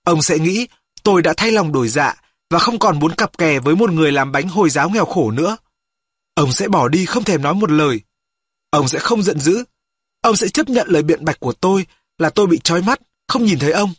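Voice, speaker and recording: A man reading a first-person story aloud as an audiobook, steady and storytelling. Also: a little high, brisk, husky, dry recording. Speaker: audiobook reader. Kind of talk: scripted narration.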